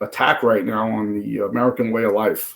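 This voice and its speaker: A man speaks with a slight New Jersey accent. His pace is moderate. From New Jersey, Jersey City. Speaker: local politician. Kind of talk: political interview. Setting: live stream. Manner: animated.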